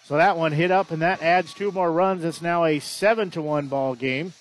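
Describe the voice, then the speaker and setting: A man with a slightly high voice calls a baseball game at normal speed. His play-by-play is conversational, and he frequently corrects himself.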